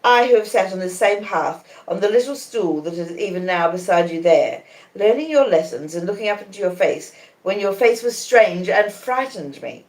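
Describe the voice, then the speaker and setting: A woman voicing a proud, cool young lady in a storybook reading, calmly defiant, with measured and emphatic reasoning. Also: mid-range voice, close to an everyday voice. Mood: cool reproach. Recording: echoey conservatory.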